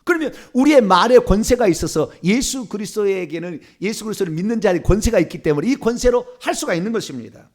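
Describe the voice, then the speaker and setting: High, lively-voiced male pastor preaching. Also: fast talker, few pauses. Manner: emphatic, swings between soft asides and loud commands. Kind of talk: sermon.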